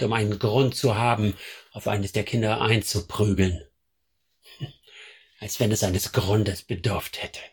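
An actor playing a bitter, wry former street urchin narrating in an audio drama, with a rough, husky voice. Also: male voice, mid-range voice, exaggerated voice. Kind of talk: scripted first-person audio drama narration.

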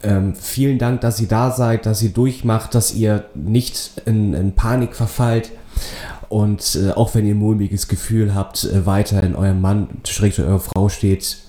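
A man's voice: on the low side, steady tone, a little slow, warm tone. A man co-hosting a casual podcast, hesitant with many fillers, reading quiz questions aloud. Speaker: podcast co-host. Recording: roomy, echoey sound.

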